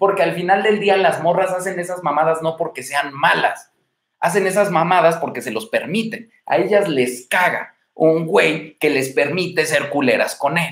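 The speaker has an animated tone with ordinary pitch variation. They talk with a Mexican accent. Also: man, high pitch for a man. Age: 30s. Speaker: dating coach streamer. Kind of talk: casual livestream chat.

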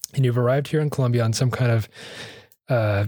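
On a very clean recording with a silent background, a man with an American accent speaks at medium pitch in a dark, mellow, somewhat breathy tone. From United States. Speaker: podcast host and episode writer. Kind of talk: scripted narration; casual chat.

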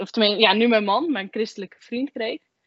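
A woman speaks with fairly high pitch. Her pitch varies in an ordinary way. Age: 20s. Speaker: inland shipping worker. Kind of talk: testimony. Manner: halting.

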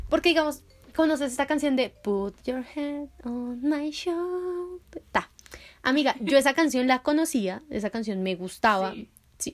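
Speaking at a fairly slow pace, a woman's high-pitched voice rises and falls in lively intonation, with big swings in loudness. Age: 20s. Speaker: podcast co-host. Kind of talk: casual chat.

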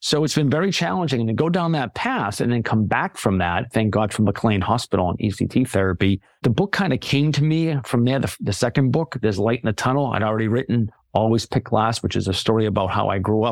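In a very clean recording with a silent background and a dry, close sound with no echo, a man with a Boston accent speaks at a fairly quick pace with lively intonation, very even loudness and hardly any pauses. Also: medium pitch for a man. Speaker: fitness coach and mental health advocate. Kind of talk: interview conversation.

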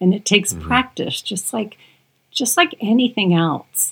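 Fairly high and somewhat breathy, a woman's voice comes through in a very clean recording with a silent background. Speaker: nurse and sex educator. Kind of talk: interview. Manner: warm, steady.

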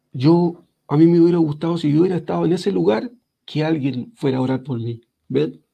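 This man's dark, mellow tone sits at a fairly high pitch, with ordinary pitch variation and a fairly quick pace. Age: 60s. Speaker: church elder. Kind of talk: testimony. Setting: video call.

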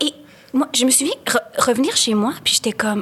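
A woman with a Quebec accent speaks at a moderate pace with lively intonation over noticeable background noise. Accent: Quebec French, learned by imitation. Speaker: podcast host, actress. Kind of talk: casual chat. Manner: animated.

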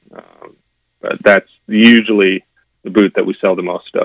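A man's ordinary speaking voice at a medium pitch. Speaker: outdoor footwear company representative. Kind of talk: interview. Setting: phone call.

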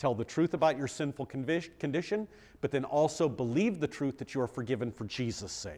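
Very wide pitch swings and vocal fry mark this man's voice in a very clean recording with a silent background. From US West, Wyoming. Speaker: pastor. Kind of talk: Bible study class. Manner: conversational.

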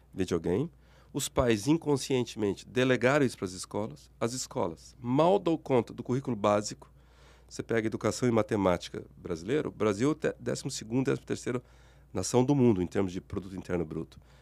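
A man at medium pitch speaks at a moderate pace with vocal fry and lively intonation. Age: 60s. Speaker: psychologist, consultant and author. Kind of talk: interview. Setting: studio.

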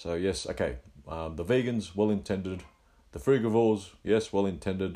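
Speaking at a moderate pace with an Australian accent, a man uses a fairly low pitch and ordinary pitch variation. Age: 50s. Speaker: health podcaster. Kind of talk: solo podcast monologue. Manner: halting, many fillers.

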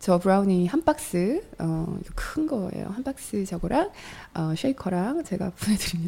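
This woman talks at a fairly slow pace with a medium pitch and very wide pitch swings. Noticeable background noise sits behind her. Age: 40s. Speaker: podcast host and fitness YouTuber. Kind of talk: live stream casual chat.

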